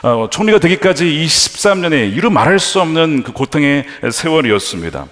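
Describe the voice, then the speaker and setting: A male pastor delivers a sermon with a fairly high voice that rises and falls widely. He stresses his points and asks the congregation questions. The sound carries the long reverb of a large church sanctuary. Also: sing-song, a little fast, fairly bright tone. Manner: emphatic preaching with rhetorical questions to the congregation.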